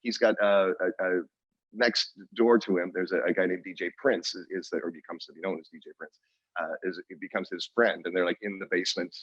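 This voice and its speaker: A man's voice: deep voice, fairly even intonation, a little fast, fairly bright tone, no room sound, dull audio. A man co-hosting a podcast, telling a story in casual chat with lots of restarts and fillers. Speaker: podcast co-host.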